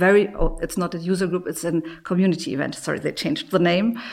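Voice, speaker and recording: A woman's medium-pitched voice at a very fast pace, full of lively intonation. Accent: German. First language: German. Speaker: marketing manager. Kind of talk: interview. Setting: company office.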